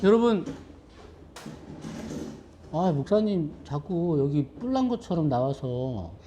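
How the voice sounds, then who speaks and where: A man's voice: fairly high pitch, very animated, takes it slowly, warm tone, highs cut off, slight background noise. A middle-aged male pastor leading a children's worship service, playful and cheerful, calling out names and counting aloud. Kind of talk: lively children's worship greeting. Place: church sanctuary.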